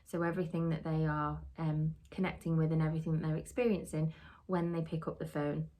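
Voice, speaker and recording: A middle-aged woman, giving an earnest, steady training talk on social work and asking many rhetorical questions. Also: low-pitched, brisk. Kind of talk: podcast teaching talk.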